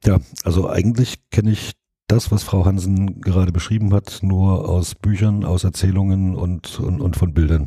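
Somewhat breathy and dark, mellow in tone, a man speaks with a very deep, low pitch and fairly even intonation. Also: moderate pace, dry, close sound with no echo. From Saxony. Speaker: cultural association member. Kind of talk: interview. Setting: in a room at the venue.

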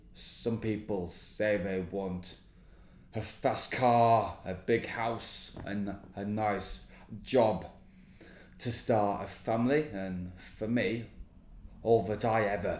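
In a Yorkshire accent, a man with a fairly low pitch and fairly even intonation speaks at a very slow pace with long, frequent pauses. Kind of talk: interview answer.

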